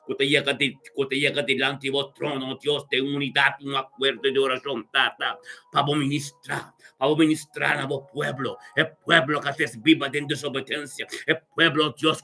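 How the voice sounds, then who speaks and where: A man's voice: mid-range voice, creaky, pushed and bright. A man leading a fervent, improvised Christian prayer, repeating phrases and often breaking in with short exclamations of praise. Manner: repetitive, with frequent interjected praise exclamations. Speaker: prayer leader. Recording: music playing behind the voice. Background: music.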